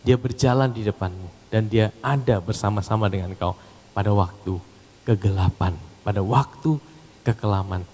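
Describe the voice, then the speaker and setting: A pastor preaching a sermon. He rises to loud, emphatic calls and drops to soft, low asides. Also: normal speed, a little hiss or hum. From Indonesia. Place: church hall. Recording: long hall reverb.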